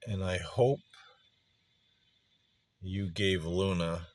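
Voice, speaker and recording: Middle-aged male host, very low voice, dry close sound, earnest and halting reflective delivery. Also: steady tone, dry recording. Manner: halting, pausing mid-sentence, earnest. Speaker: spirit box session host. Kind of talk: slow reflective monologue addressed to a spirit.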